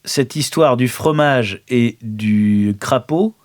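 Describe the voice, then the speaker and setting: A man's voice: mid-range voice, takes it slowly. A man playing in an improvised role-playing game, bantering casually with the others.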